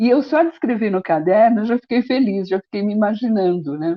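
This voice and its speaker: A woman's voice at medium pitch. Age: 60s. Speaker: journalist and TV presenter. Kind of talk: interview. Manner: conversational, frequent fillers.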